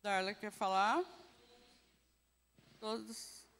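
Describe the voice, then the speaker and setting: A woman's voice: mid-range voice, level tone, extremely slow, fairly bright tone. A woman with a Brazilian Portuguese accent teaching a Bible class at church, asking the group questions and often adding a tag question. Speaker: Sunday school teacher. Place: church hall. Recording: long reverb in a church hall.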